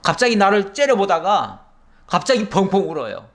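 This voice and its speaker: A male pastor giving an expository Bible sermon, telling the story vividly and acting out the characters' questions, with phrases that drop low and soft at the ends. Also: normal speed. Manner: animated storytelling, acts out dialogue with rising pitch.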